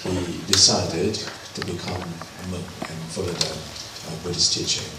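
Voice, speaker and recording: A man moderating a forum, slowly and hesitantly introducing the next speaker. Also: deep voice, little pitch movement. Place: large hall. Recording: very echoey hall from far off, background noise.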